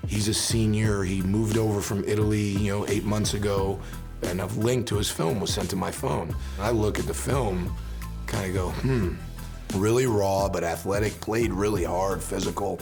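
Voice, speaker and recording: A football coach with a low, gravelly voice recounts a recruiting story in a relaxed, conversational way. Music runs underneath his words. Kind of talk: interview recollection.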